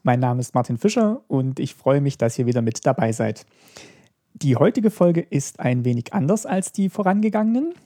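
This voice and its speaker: Mellow, husky male podcast host. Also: mid-range voice, very animated, moderate pace, dry recording, studio quality. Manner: polite, hesitant moderating. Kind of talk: podcast interview.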